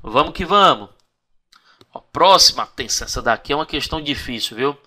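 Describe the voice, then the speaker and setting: A man teaching an exam-prep video lesson, lively and coaxing, always checking in with his students. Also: medium pitch, brisk.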